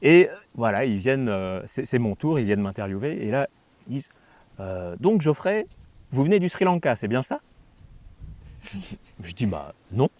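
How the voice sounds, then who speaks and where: A man's voice: medium pitch, big pitch swings, moderate pace, long pauses, darkish tone, dry recording. A man with an accent from France, telling personal stories in a casual, conversational way as a vlogger. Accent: French from France. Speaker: vlogger telling a life story with partner. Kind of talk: casual storytelling chat.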